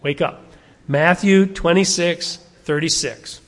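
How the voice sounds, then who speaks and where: Sixties guy preaching, chatty, asks the crowd stuff, kinda high voice, big echoey church. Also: takes it slowly, a bit bright. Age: 60s. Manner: conversational, asks the congregation questions. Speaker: pastor. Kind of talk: sermon. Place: church sanctuary.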